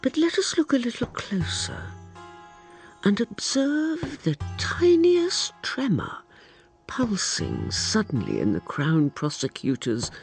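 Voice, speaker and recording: A sly slow narrator. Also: medium pitch, wildly swooping pitch, soft background music, full character voice. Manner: wry, insinuating storyteller. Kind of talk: radio drama narration.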